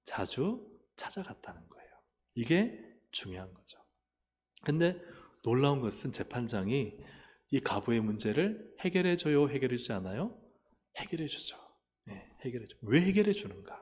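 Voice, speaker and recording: Lively man preaching in a reverberant church. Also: mid-range voice, normal speed. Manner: lively preaching with calls of amen to the congregation; acts out quoted voices and asks the listeners questions. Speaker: pastor. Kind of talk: sermon. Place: church sanctuary. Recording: long church hall reverb.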